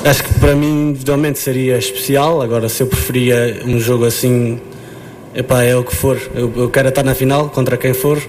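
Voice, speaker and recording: A man's voice: mid-range voice, fairly even intonation, a little fast, a little mellow, a little hiss or hum, poor audio. A young man, a footballer, answering press conference questions hesitantly with many fillers and restarts.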